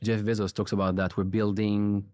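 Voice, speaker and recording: A man from Switzerland hosting a podcast, speaking in a relaxed, reflective way and asking long questions. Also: lowish voice, normal speed, no echo, clean studio sound. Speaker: podcast host. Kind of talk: interview conversation.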